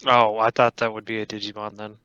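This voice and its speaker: Jokey guy playing d&d, bright voice, muffled dry mic, lots of uh. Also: lowish voice, monotone, brisk, clear, resonant tone, no room sound. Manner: joking, hesitant with fillers. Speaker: player. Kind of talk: casual tabletop play.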